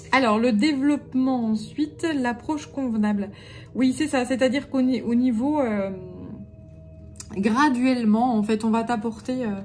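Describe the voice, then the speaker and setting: Speaking in a Jura accent, a woman with a high pitch talks fairly slowly with fairly even intonation and long, frequent pauses. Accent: Jura regional accent, French. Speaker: spiritual channeler, card reader. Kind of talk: oracle card reading guidance. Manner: hesitant, many fillers; casual, joking.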